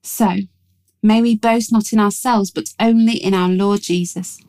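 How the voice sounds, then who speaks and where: A woman reading a scripted Christian devotional in a measured, reflective and reverent way. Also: mid-range voice, steady tone, mellow. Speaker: devotional reader. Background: music behind the voice.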